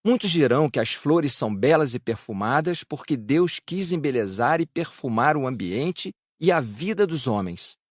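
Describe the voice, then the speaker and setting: A man reading a reflective spiritual discourse in a measured, declamatory way. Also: on the high side, no echo, clean studio sound. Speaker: audiobook reader of a spiritual lecture. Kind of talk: scripted narration, reflective religious discourse. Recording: music behind the voice. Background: music.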